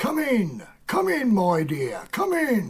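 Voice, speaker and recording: A put-on character voice, croaky and at a middle pitch, with very wide pitch swings and a fairly slow pace. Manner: whispering.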